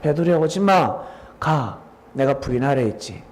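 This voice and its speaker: A man preaching plays a stern male teacher who sharply scolds a disciple, shouting and pleading. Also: medium pitch, lively intonation, measured pace, natural voice. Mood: urgent pleading.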